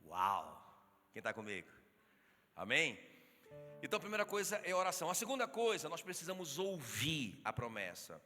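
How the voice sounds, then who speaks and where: Male Brazilian pastor, animated sermon delivery, bright voice, swings all over in pitch, long church-hall reverb. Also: normal speed. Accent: Brazilian Portuguese. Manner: animated preaching, acts out quotes, calls on the congregation. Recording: reverberant church hall, faint music behind.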